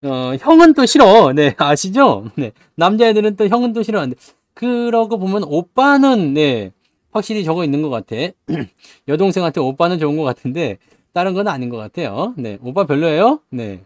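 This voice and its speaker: A man's voice: fairly high pitch, very animated, moderate pace, no room sound, clean studio sound. A man in his thirties hosting a casual live stream, joking, laughing often and greeting viewers by name. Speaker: stock market livestream host.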